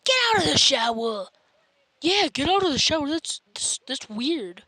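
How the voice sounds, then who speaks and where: Woman, casual reaction host, short muttered asides, higher pitch, dry close sound. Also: very animated, normal speed, pushed and bright, no room sound.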